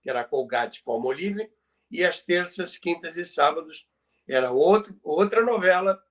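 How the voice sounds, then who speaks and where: A man's voice: fairly high pitch, lively intonation, normal speed, a bit bright. A Brazilian man presenting in an informal lecture style, explaining didactically and repeating phrases for emphasis. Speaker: presenter explaining radio history.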